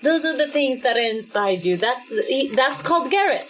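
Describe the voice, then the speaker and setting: A woman's voice: high voice, lively intonation, normal speed, a bit bright, a little hiss or hum. A woman improvising casually as a player in a tabletop role-playing game.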